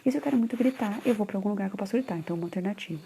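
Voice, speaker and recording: A woman's voice: mid-range voice, rapid-fire, warm tone, a little hiss or hum. A woman in her thirties, a mother and parenting educator, giving a casual conversational live talk with frequent tag questions.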